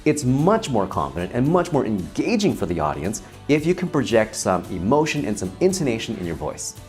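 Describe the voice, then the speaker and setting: A man with a middle-pitched voice and lively, swinging intonation teaches presentation skills in an instructional video. He speaks clearly and demonstrates each tip as he goes, with soft music playing faintly behind him. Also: a little fast.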